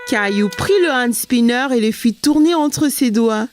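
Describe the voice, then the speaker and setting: A woman performing as the gentle storytelling narrator of a children's cartoon in French, with soft music behind. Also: a little high, measured pace, lightly acted.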